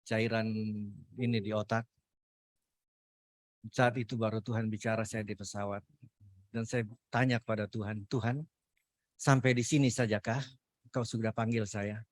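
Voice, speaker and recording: A man giving an earnest, emotional personal testimony at a Christian fellowship, breaking off mid-phrase and sometimes dropping to a hushed voice. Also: fairly low pitch, dry recording, clean studio sound.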